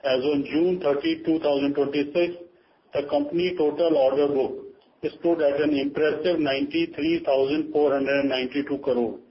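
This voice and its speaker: Higher-voiced Indian man, formal corporate reading. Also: steady tone, moderate pace. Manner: formal, scripted. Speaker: company chief giving earnings remarks. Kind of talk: formal prepared corporate statement read aloud. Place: conference call. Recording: dull lo-fi conference call, faint noise.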